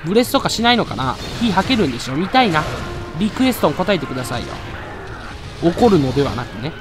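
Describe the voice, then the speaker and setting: A man giving excitable live gameplay commentary, loudly taunting and grumbling at the monster he is fighting. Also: on the high side, quick pace. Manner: excitable, trash-talks the monster with rough taunts. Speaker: let's play commentator. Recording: loud game music behind voice. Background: game music.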